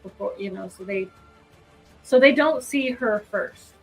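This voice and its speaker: A woman of average pitch talks casually as a player in a tabletop game. There is faint music in the background. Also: measured pace, husky, rough recording.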